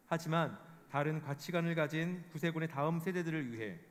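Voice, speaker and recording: A man giving a formal scripted report, reading statistics in a measured way. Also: fairly high pitch. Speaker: presenter of a report. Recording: long hall reverb.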